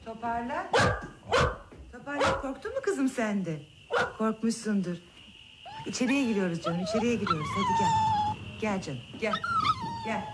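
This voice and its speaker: An actress playing a protective daughter in a television drama, soothing and coaxing in short repeated phrases. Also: female voice, on the high side, huge pitch swings, moderate pace, pauses often, heavy background noise. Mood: soothing, subdued. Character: protective daughter, tender with a frightened child.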